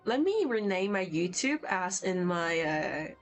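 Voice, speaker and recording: A woman's voice: lowish voice, very animated, unhurried, soft background music. Chatty young woman streaming art. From Hong Kong. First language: Cantonese. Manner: chatty and rambling, answers viewer chat as she works. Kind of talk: casual livestream chat while drawing. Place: at home on vacation. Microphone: poor-quality mic.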